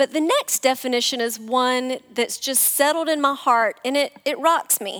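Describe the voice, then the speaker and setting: Her voice is high, her pitch rises and falls in the usual way, and this woman keeps a moderate speed. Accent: Southern US. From US South. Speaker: Bible study teacher. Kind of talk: Bible teaching. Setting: church group with live audience.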